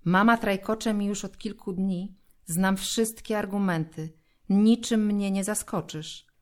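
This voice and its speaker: A woman's voice: mid-range voice, fairly even intonation, unhurried, close to an everyday voice. A woman voicing a sulky young boy who grumbles and sounds bored, in a storybook reading. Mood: grumbling.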